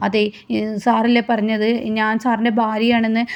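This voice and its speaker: A woman's voice: on the high side, completely flat delivery, normal speed, lightly acted. Woman playing Nandini, a defiant tipsy wife. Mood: defiant scolding. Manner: loud, scolding questions.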